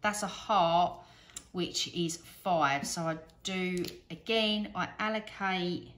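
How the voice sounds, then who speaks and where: Her voice sits on the low side, a little bright, and she takes her time. Indoors at a wooden table, this British woman, a budgeting vlogger, talks through a hands-on task casually, musing aloud in a meandering, self-mocking manner.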